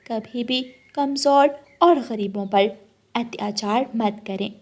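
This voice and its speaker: A woman's voice: fairly high pitch, a little mellow. A woman narrating a children's cartoon story and ending with a moral and a request to subscribe.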